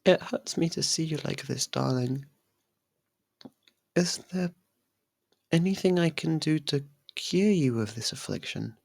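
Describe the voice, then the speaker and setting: A performer voicing a possessive, lovestruck young faerie royal in an intimate ASMR roleplay, speaking softly and haltingly. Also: medium pitch, lively intonation, vocal fry, no echo. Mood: worried. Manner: hesitant, halting, soft and pleading.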